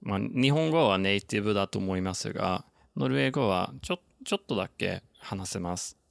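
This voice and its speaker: Low gravelly man speaking careful Japanese. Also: expressive, a little fast, dry recording, studio quality. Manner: careful non-native speech with frequent restarts and laughs. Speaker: interviewed game developer. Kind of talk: casual podcast interview.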